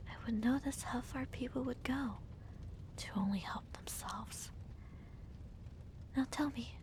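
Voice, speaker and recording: Woman as a slow, whispering, smug villainess. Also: fairly high pitch. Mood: bitter, cold. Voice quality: soft, breathy whisper. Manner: slow, deliberate, teasing, theatrical. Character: smug, theatrical villainess gloating to her captured hero. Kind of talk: whispered roleplay ASMR monologue.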